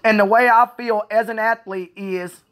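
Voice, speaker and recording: A woman's voice: on the high side, fairly even intonation, moderate pace. Frustrated woman venting. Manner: frustrated, repetitive, profane ranting. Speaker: Special Olympics athlete. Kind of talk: venting vlog monologue.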